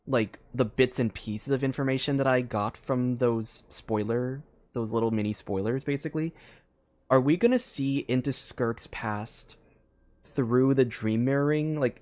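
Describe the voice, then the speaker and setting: A man's voice: mid-range voice, moderate pace, a little mellow. A young man giving casual live commentary on a game, rambling and thinking aloud with lots of fillers. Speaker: game streamer.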